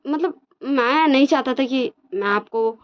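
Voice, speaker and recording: A woman voicing a hurt young male student who apologizes in soft, halting speech. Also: sits high. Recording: dull lo-fi recording.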